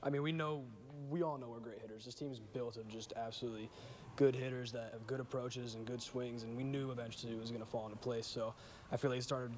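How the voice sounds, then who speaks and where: Young man, athlete interview, rapid and monotone, faint ambient noise. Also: medium pitch. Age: young adult. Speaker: baseball player. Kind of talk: casual post-game interview.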